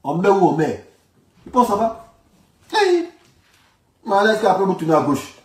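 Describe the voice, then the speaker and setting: His pitch is high and swoops wildly, though his pace stays moderate. A man with an Ivorian accent, he gives casual political commentary in colloquial speech, repeating phrases for emphasis, recorded from a distance in an echoey room.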